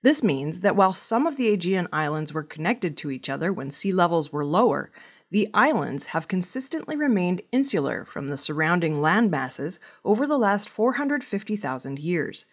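Woman, news reader, lowish voice, animated intonation. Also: moderate pace, breathy edge. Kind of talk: scripted news reading.

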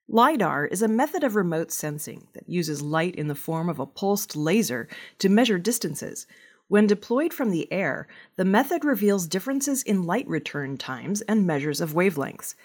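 Woman, news reader, lowish voice, animated intonation. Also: husky. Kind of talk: scripted news reading.

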